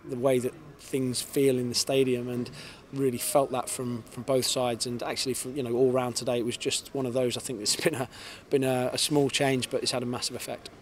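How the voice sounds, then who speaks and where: A man in his thirties talks fast and earnestly into a handheld mic, his pitch held fairly flat as he restarts phrases with repeated words. Outdoor stadium noise sits clearly behind him on the night pitch. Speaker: football head coach. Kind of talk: post-match interview. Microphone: handheld reporter's mic held in front.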